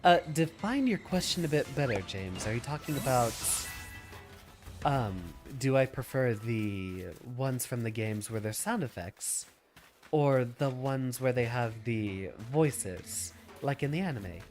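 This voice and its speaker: Lively stuffy-nosed man streaming a game. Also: mid-range voice, unhurried, soft background music. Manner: easygoing, musing aloud, reads out chat questions. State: stuffy nose, slightly nasal. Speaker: streamer playing a video game. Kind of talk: casual game stream chat, answering viewers.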